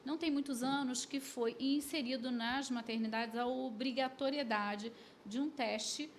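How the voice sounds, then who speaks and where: A woman with a higher-pitched voice speaks as a guest expert on a podcast. She talks in a measured way, pausing to collect her thoughts before she makes her point. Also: fairly even intonation, a little hiss or hum. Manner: measured, gathers thoughts with fillers. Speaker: pediatric dentist and orthodontist guest. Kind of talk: explanatory podcast conversation. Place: podcast studio.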